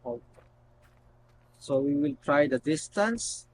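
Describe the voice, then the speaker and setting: Male product reviewer, casual and unscripted, halting instructional delivery, noisy home-style recording with hum. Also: a little high, expressive. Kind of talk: casual unscripted gadget demonstration. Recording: noticeable background noise and hum.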